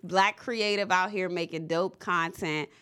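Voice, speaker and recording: A woman's voice: lowish voice, fairly even intonation, measured pace, fairly bright tone, clear, resonant tone. A woman with an African American accent talking informally and emphatically as a guest in a casual podcast chat. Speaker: podcast guest, shop owner.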